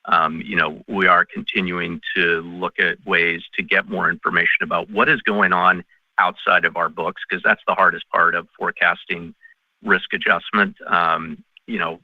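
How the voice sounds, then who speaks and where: A man answering as a company executive on an earnings call, speaking in a measured, hesitant corporate way. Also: low-pitched, no echo. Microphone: conference call line. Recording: dull, band-limited conference call audio.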